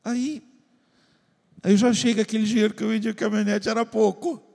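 A man's voice: high-pitched, flat delivery, fairly quick, vocal fry, a little mellow, big-room sound. A man preaching a testimony to a congregation, telling a story and acting out his own prayers and conversations.

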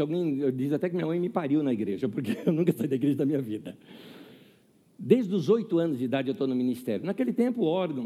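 A man's voice: a little high, dark tone, breathy edge, big-room sound. A man in his fifties preaching a sermon, chatty and humorous, often asking the audience questions and telling a personal story. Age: 50s. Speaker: pastor.

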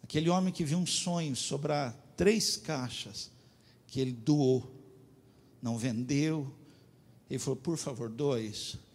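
Emphatic preaching pastor, fairly high voice. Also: male voice, unhurried, creaky, long pauses. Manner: emphatic, rising to loud appeals. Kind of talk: sermon with storytelling.

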